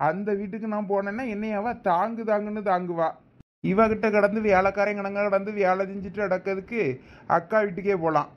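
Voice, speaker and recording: A man's voice: high-pitched, fairly even intonation, fairly quick, slight background noise. A man with a Thoothukudi Tamil accent playing a sulking husband in an amateur village drama. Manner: sulking, grumbling, warning. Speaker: drunkard husband in a web drama. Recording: dull lo-fi sound.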